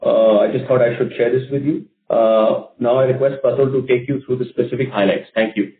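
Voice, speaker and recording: A man with an Indian accent giving formal, measured remarks as a company executive on an earnings call. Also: medium pitch, fairly even intonation. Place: conference call. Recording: distant, roomy, muffled conference phone line.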